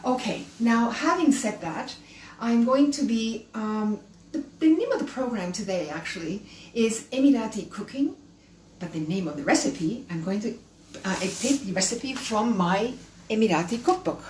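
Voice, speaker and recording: Hosting a live cooking show, a middle-aged woman of Canadian and Chilean background greets her viewers directly in a warm, chatty way. Her fairly high, slightly mellow voice is expressive and moves at a normal speed. Because her son holds the camera at a distance, the audio sounds roomy and far off, with a faint hum.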